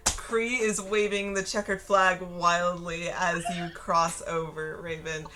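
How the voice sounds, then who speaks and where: A woman's voice: lowish voice, level tone, takes it slowly, pushed and bright, a little hiss or hum. A woman narrating as game master in a live tabletop game, casual and laughing often.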